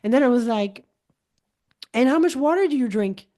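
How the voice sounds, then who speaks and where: A woman in her forties with a fairly high voice speaks at a moderate pace. She's a native French speaker hosting as a wellness coach in a casual conversation, animated, repeating words, restarting, and often acting out quoted dialogue.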